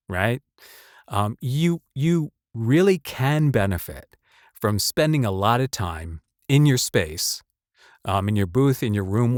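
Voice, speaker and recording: A man's voice: medium pitch, no room sound, studio quality. A man speaking as a voice actor giving casual advice, rambling and emphatic in a conversational way. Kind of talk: casual advice talk to camera or mic.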